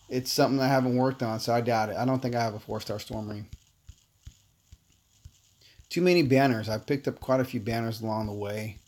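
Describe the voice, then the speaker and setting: A man casually chatting with viewers while playing a game on a livestream, relaxed and talkative. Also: mid-range voice. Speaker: livestream gamer.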